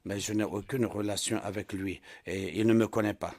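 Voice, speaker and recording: A man's voice: on the low side, steady tone, moderate pace, a little mellow, dry recording. A man testifying as a witness in a courtroom, answering questions insistently and repeating his points. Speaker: trial witness.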